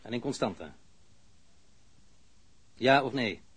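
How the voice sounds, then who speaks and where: An actor playing a stern, sarcastic police interrogator in an audio crime drama, probing formally and relentlessly. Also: male voice, mid-range voice, animated, takes it slowly, fairly bright tone, husky, heavily acted. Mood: cool, probing.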